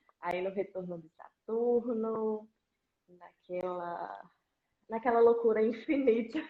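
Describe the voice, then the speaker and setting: Soft-spoken and fairly high-pitched, a woman talks at a very slow pace with long, frequent pauses. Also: ordinary pitch variation. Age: 30s. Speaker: guest. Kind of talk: interview. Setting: live video stream.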